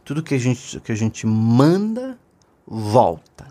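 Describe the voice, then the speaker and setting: A man voicing a patient father who explains in a calm, low, gentle way. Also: slow.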